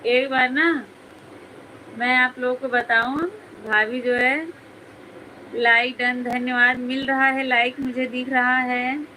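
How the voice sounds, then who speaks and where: High, bright-voiced woman chatting on a live stream. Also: flat delivery, slow pace, long pauses, a little hiss or hum, rough recording. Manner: chatty, giggly, teasing viewers by name. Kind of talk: casual live-stream chat reading viewer comments.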